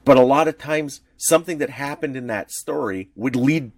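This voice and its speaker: A man's voice: medium pitch, moderate pace, a little mellow. A man co-hosting a podcast, explaining at length in casual chat with restarts and short laughs. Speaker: podcast co-host.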